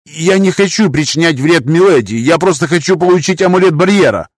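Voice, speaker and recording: A man voicing a panicky older male scientist with a shrill, quavering falsetto. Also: fairly quick, dry recording, studio quality, close to an everyday voice. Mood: desperate.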